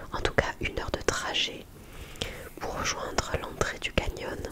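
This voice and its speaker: A whisper proceeds at a moderate pace, with noticeable background noise around it. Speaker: ASMR creator. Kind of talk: ASMR whispered storytelling about a trip. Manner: whispered, soft-spoken, relaxing.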